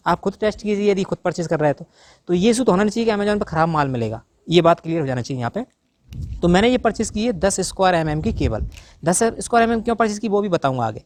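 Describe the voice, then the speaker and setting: Fast-talking man explaining solar wiring. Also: sits high, a little mellow. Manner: rapid, talks to viewers directly, frequent fillers. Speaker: YouTube tutor on solar installation.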